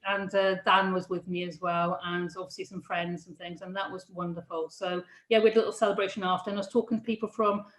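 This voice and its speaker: A woman's voice: lowish voice, level tone. Woman chatting in an echoey room. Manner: halting, many restarts and laughs. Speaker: prison careers adviser, interviewee. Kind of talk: casual interview chat.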